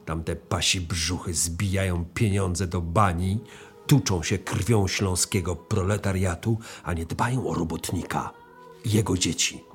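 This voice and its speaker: An actor playing a stern, embittered socialist miner in a radio play, preaching emphatically. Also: male voice, low-pitched, a little slow, soft background music. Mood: bitter, solemn.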